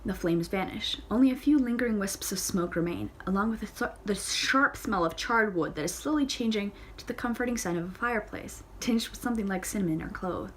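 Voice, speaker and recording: A woman's voice: medium pitch, brisk, hardly any pauses, slight background noise. A woman reads a novel aloud in a casual way. She often stumbles and corrects herself, and she adds playful side comments of her own. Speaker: audiobook reader.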